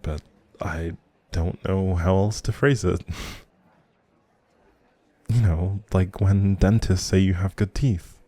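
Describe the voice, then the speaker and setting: A man playing a socially anxious, kind stranger in an intimate audio roleplay, rambling hesitantly and doubting himself in a soft, breathy voice. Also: low-pitched, steady tone, slow, no room sound. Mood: awkward, amused.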